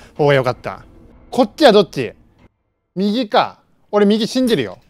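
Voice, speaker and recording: A man speaks with very wide pitch swings in a dry sound with no echo, with faint music in the background. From Japan. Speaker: gaming YouTuber. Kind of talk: let's play commentary. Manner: animated. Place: home room. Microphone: studio mic.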